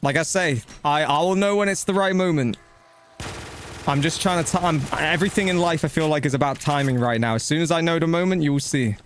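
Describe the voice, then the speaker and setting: A man's voice: a little high, a little fast. Blunt, slangy man streaming a game over faint noise. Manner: blunt, slangy, sweary, matey. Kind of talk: casual live gameplay commentary with chat.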